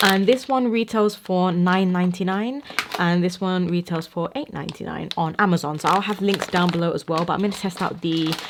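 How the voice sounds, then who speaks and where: A woman with a British accent at a fairly quick pace, with noticeable background noise. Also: medium pitch for a woman, ordinary pitch variation. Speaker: beauty youtuber. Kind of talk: tutorial. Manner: animated.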